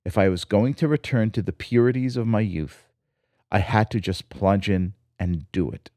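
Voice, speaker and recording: A man's voice: lowish voice, normal speed, warm tone, dry recording, studio quality. A man from Israel, the host, reading a reflective personal essay in a wry, lyrical storytelling manner. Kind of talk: scripted personal essay narration.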